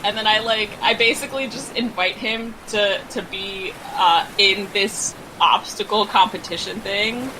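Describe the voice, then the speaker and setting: A woman's voice: medium pitch, unhurried, few pauses. Casual woman game player with noisy background. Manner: informal, slangy, conversational. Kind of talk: casual roleplaying game chat. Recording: clear background noise, ambient hum.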